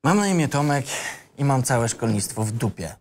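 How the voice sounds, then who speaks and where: A rebellious young male student acted by a man with a medium-pitched voice. He sounds ironic and insolent, yet inward-looking, as if in a radio play about a disillusioned youth. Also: very animated, normal speed, slight background noise, natural voice. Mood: wry, detached. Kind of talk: script reading for audio drama.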